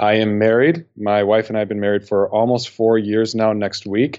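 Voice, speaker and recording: Using a normal speaking voice, a man with an American accent talks at a moderate pace, fairly low in pitch and fairly even in intonation. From US Midwest, Wisconsin. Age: 20s. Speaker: actor. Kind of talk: interview.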